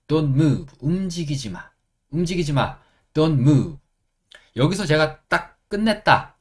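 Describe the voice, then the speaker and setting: A middle-aged man with a Korean accent, teaching an English lesson and repeating phrases slowly, step by step. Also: medium pitch, darkish tone.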